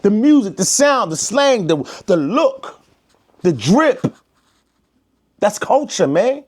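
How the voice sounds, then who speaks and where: A fairly high-pitched man with an African American Vernacular accent talks straight to the camera in an emphatic, preaching way. He is from the United States and leans heavily on slang. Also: big pitch swings, slow, a little mellow. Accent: African American Vernacular English. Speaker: vlogger. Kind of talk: direct-to-camera commentary.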